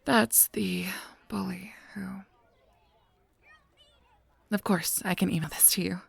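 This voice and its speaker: An actor playing a solemn, protective guardian angel in an audio drama, speaking gravely and formally with a husky voice. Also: medium pitch, steady tone, exaggerated voice. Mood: gentle, earnest. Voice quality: husky, breathy, creaky voice. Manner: grave, measured, formal speech. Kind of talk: scripted audio roleplay acting.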